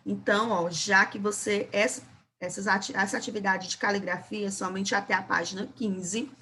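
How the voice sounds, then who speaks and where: A woman teacher giving a remote lesson to young children, speaking slowly and encouragingly. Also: mid-range voice, bright, forceful tone. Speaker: primary school teacher.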